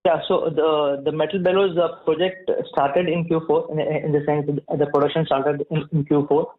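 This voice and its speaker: A muffled, narrow phone line carries a higher-pitched Indian man's voice. He speaks as a company executive answering investors, semi-formal and halting, with frequent repeated words. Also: flat delivery. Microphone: conference call line.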